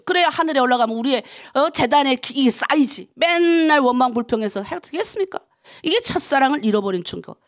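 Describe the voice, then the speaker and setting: A middle-aged woman pastor from North Korea preaching an animated dawn prayer sermon, asking her congregation rhetorical questions. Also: a little high, gravelly.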